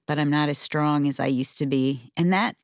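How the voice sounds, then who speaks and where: A middle-aged woman co-hosting a conversation, talking candidly and quick to laugh. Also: low-pitched, no echo, studio quality. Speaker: podcast co-host. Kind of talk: casual conversation about faith and marriage.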